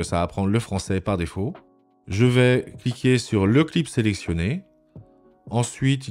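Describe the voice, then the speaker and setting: Low-voiced man narrating a software tutorial. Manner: methodical, explanatory, with frequent hesitant pauses. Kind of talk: informal step-by-step screencast narration. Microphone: voice-over recorded on a microphone at a computer.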